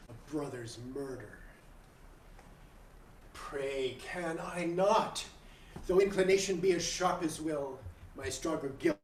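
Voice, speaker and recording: A man's voice: a little high, slight background noise, close to an everyday voice. A man playing a guilt-ridden, murderous king praying in torment, declaiming a classical stage monologue in verse. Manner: declamatory, classical verse delivery with long pauses. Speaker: acting student. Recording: echoey room, distant mic, online stream.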